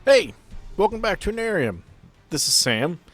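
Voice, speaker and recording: A man's voice: sits high, big pitch swings, normal speed, faint music behind. A man hosting a tabletop game podcast as game master, chatting casually with playful, teasing banter.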